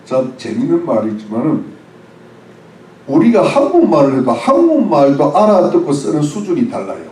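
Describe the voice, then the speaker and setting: A man's voice: a little high, huge pitch swings, moderate pace, dark tone, echoey room, recorded from a distance, poor audio. A man preaching a sermon as pastor, explaining words one by one with English phrases and asking the congregation questions. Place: church.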